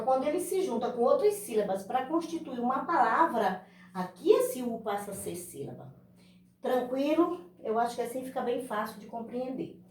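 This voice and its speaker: A woman teacher talks through a lesson patiently, posing rhetorical questions to her class. Her voice sits a little high and swings lively up and down. She is recorded from a distance in a room with plenty of echo. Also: a little hiss or hum. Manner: patient, explanatory, asks students rhetorical questions.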